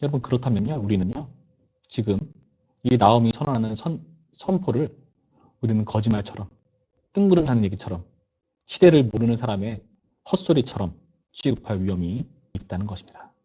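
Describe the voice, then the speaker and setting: A man's voice: lowish voice, animated, brisk, pauses often, dark tone, slightly rough, lo-fi sound. A young man, a youth pastor, giving a conversational sermon to teenagers and voicing their complaints and questions. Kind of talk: sermon to teenagers over video call.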